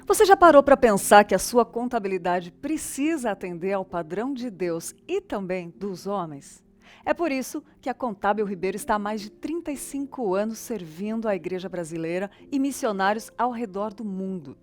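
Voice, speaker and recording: A woman's voice: medium pitch, animated, normal speed. A woman reading a scripted commercial in a polished, persuasive voice-over.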